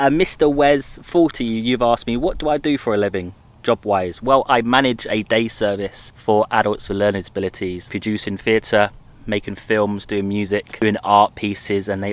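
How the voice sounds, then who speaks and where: In a London accent, a man talks at a moderate pace. His voice sits fairly low, with ordinary pitch variation. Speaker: outdoor camping vlogger. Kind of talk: casual Q&A chat. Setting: outdoors at sunset. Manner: relaxed.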